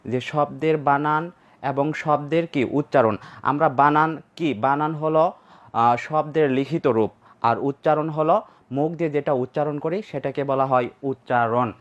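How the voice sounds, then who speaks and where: Male grammar teacher, a bit high-pitched, lecturing over slides with question-and-answer drills and repeated points. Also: muffled recording. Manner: asks questions and answers them himself; repeats key points for emphasis.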